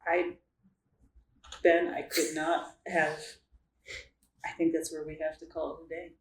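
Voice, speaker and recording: A man hosting a podcast interview, appreciative and quick to laugh. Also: on the high side, monotone, gravelly. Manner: warm, appreciative, laughs easily. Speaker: podcast host. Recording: echoey room.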